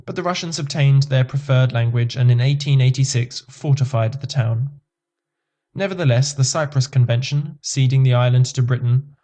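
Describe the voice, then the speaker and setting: A man giving a scripted narration of an encyclopedia article in an even, measured reading voice. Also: medium pitch.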